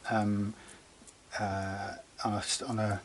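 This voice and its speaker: A man talking casually through a guitar setup in his workshop, rambling and chatty, muttering quietly as he works. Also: on the low side, flat delivery, slow, slight background noise, poor audio. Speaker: guitar repair demonstrator. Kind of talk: casual workshop how-to talk.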